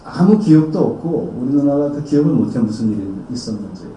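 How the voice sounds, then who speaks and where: A male pastor tells a dramatic testimony in a church hall, impersonating the people involved. His medium-pitched voice is warm, expressive and a little fast. There's slight background noise, and the sound is roomy and distant with faint ambience.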